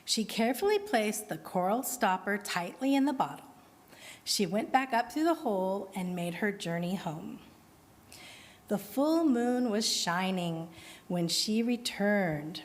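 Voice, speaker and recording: Brief: woman reading a children's story aloud, very unhurried, in a reverberant meeting hall. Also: mid-range voice. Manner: slow, expressive read-aloud. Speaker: story reader at a worship service. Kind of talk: storytelling narration.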